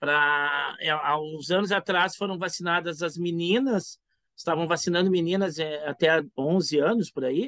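A man's high, bright, sharp voice with ordinary pitch variation over a quiet background. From Brazil, Porto Alegre area. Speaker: podcast co-host. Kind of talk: casual podcast chat.

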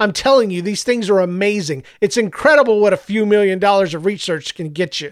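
The speaker reads in an unforced voice.

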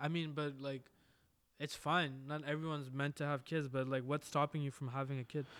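A man talks at a fairly quick pace in a fairly high pitch. His intonation is monotone and flat on a very clean recording with a silent background. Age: 20s. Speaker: podcast host. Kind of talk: casual chat.

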